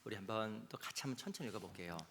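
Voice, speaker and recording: A woman preaching a sermon in short phrases, pausing for an interpreter and rising to loud, emphatic exhortation. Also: extremely low pitch. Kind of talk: sermon in Korean with live interpretation. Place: church sanctuary.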